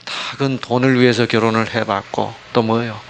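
A man preaching a sermon, asking the congregation constant rhetorical questions and dropping from loud emphasis to hushed asides. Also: mid-range voice, little pitch movement, fairly quick, creaky, slight background noise. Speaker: pastor.

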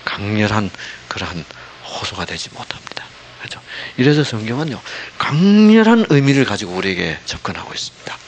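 A man preaching a sermon, asking the congregation constant rhetorical questions and dropping from loud emphasis to hushed asides. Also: fairly low pitch, sing-song, brisk, a little hiss or hum. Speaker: pastor.

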